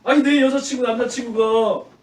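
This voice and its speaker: A male pastor giving a lively children's sermon in church, asking the kids questions and acting out shouting crowds. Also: very high voice, moderate pace, recorded from a distance. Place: church sanctuary. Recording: roomy echo from off-mic.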